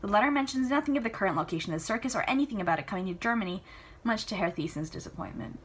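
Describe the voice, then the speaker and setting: A woman reading a novel aloud in an enthusiastic, chatty way, adding casual asides and reactions, with a husky voice. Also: medium pitch, animated, racing, slight background noise. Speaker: amateur book reader.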